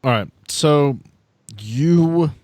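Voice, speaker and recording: A man's voice: a little high, lively intonation, very slow, a little mellow, no echo. A man running a tabletop game, narrating off the cuff and bantering casually with the players. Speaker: game master.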